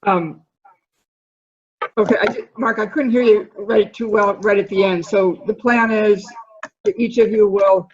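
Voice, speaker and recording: A woman's voice: mid-range voice, steady tone, a little slow, breathy edge. A resident woman on a remote public meeting call, checking the plan back hesitantly while her voice echoes back over the line. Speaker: resident asking questions at a town board meeting. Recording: dull remote call audio with echo.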